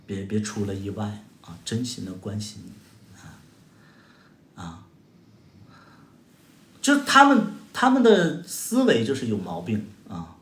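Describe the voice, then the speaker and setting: A man's voice: fairly low pitch, very animated, slow pace, long pauses, fairly bright tone. Sarcastic Northeastern Mandarin man, echoey room. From Heilongjiang, China. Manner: sarcastic, combative, mocking retorts with exaggerated exclamations. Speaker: livestream host. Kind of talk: casual livestream chat answering viewer comments.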